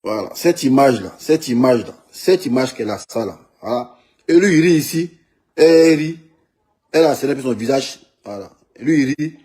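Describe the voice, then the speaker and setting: A man, commenting on politics in an animated, rambling way, with many repetitions and stumbling restarts. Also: medium pitch, moderate pace. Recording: echoey room.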